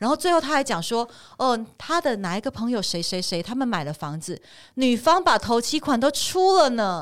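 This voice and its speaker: Her pitch high and swinging very widely, a woman speaks at a moderate pace with big swings in loudness in a very clean recording with a silent background. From southern Taiwan. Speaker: author and business consultant. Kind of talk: podcast interview.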